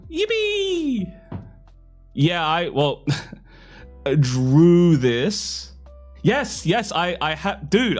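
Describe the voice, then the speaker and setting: Slightly hoarse young man streaming. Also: mid-range voice. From Australia. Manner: rambling and self-deprecating, full of fillers. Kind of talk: casual live-stream chat.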